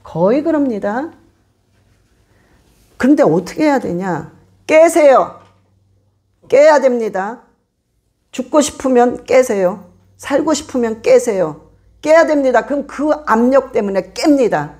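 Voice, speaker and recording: Woman pastor, high voice, emphatic repeating preacher. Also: measured pace, pauses often. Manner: animated, acts out congregants' voices. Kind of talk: sermon.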